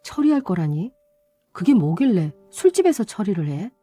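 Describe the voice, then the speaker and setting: A woman's voice: medium pitch, very animated, moderate pace, dark tone, faint music behind. A woman acting a chatty, tattling younger relative in radio drama style. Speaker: storyteller voicing a gossiping younger relative.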